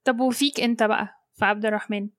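A woman with an Egyptian Arabic accent, co-hosting a podcast and asking questions in a gentle, easy way. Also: mid-range voice, steady tone, very fast, no room sound, studio quality. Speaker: podcast co-host. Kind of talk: casual podcast conversation.

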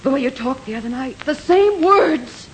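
A high, lively voice from a frightened young woman in an old radio thriller. She is tense and pleading and swings widely in pitch. A faint hiss sits under the recording. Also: moderate pace. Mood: accusing. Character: frightened young woman accusing her boyfriend. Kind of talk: 1940s radio acting.

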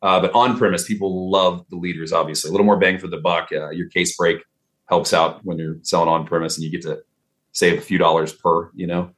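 A man's voice: low-pitched, fairly even intonation, brisk, fairly bright tone. A man from Texas, a bartender guest on a podcast, talking easily with frequent fillers. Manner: easygoing, talkative, frequent fillers. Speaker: guest, vodka brand bartender. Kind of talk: casual chat.

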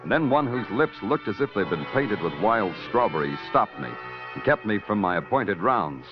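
An actor playing a world-weary, hard-boiled detective who narrates in wry, poetic lines, in a 1940s radio drama. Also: male voice, lowish voice, big pitch swings, normal speed. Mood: brooding, wry. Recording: dull lo-fi 1940s radio recording with music.

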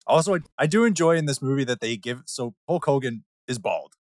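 A man's voice: medium pitch, animated, a little fast, dry recording, studio quality. A man co-hosting a movie podcast, commenting with easygoing amusement. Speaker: podcast co-host. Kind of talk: casual movie review chat.

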